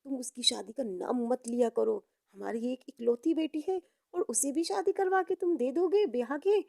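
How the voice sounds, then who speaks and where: A woman's voice: high voice, moderate pace, gravelly, warm tone. A woman playing a possessive, doting middle-aged rich mother in a story, insistent and emphatic. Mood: protesting, insistent.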